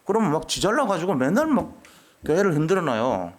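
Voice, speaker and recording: A man's voice: on the high side, fairly quick. A man preaching a sermon as pastor, asking rhetorical questions and acting out the voices of churchgoers he quotes. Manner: animated, acts out quoted voices of churchgoers and children; scolding then softening, rhetorical questions. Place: church sanctuary.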